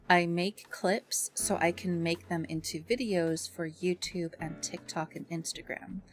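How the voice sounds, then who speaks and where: A woman livestreamer chatting casually with viewers in a bubbly, expressive and affectionate way. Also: fairly low pitch. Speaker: live streamer and ASMR content creator. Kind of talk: casual livestream chat with viewers, greeting them and reading messages. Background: background music.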